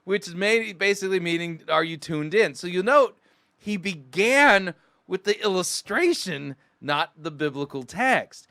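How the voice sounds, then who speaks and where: Middle-aged man, high voice, dry close sound, sarcastic critical commentary, mock quoting. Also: animated, a little slow, bright, forceful tone, no room sound. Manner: scornful, sarcastic, acting out mock quotes. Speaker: host of a sermon critique show. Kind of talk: mocking commentary on played sermon clips.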